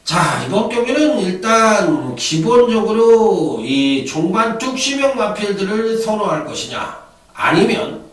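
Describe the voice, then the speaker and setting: A man giving horse racing tips in an animated, chatty commentary style with lively asides. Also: high voice, unhurried, recorded from a distance. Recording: echoey room, off-mic.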